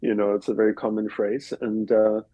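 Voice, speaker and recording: Guy from australia, warm husky voice, talks it through slow and reflective, dry sound. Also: on the low side, little pitch movement, dry recording, muffled recording. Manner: reflective, explains in plain step-by-step examples. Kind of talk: relaxed conversational interview answers. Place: home in Costa Rica.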